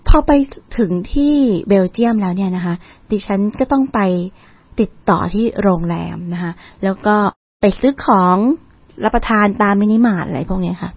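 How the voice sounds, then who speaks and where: A woman's voice: mid-range voice, normal speed, creaky, breathy edge, dry recording. A woman lecturer hosting a radio segment, telling a travel story in a chatty, polite way. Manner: chatty, polite, ends phrases with soft particles. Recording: dull lo-fi radio sound.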